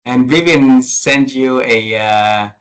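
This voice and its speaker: A man's voice: medium pitch, slow, poor audio. Effusive Vietnamese-accented man hosting an interview. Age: 40s. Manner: effusive, courteous. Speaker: interview host. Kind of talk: conversational interview.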